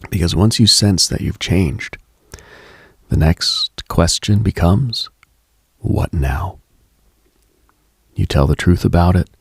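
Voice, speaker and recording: A man hosting a late-night radio show, giving a slow, contemplative monologue with halting pauses in a husky, gravelly voice, close on the mic. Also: low-pitched, dry recording. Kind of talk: reflective late-night spiritual monologue, ASMR-like.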